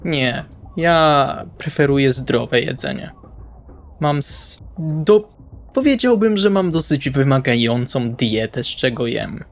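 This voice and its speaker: A man's voice: medium pitch, animated, takes it slowly. A man playing a tense, sardonic male vampire in a roleplaying game, speaking in wordy, formal, dry phrases. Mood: dry, irritated. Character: stiff, irritable, sardonic male vampire driver with formal diction.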